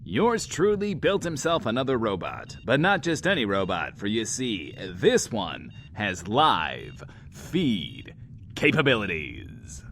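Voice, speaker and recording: An actor playing a vain, playful post-apocalyptic radio host in an audio drama, grandiose and coy, often speaking of himself in third person. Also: male voice, lowish voice, wildly swooping pitch, takes it slowly, vocal fry, a bit bright, a little hiss or hum, full character voice. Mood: gleeful anticipation.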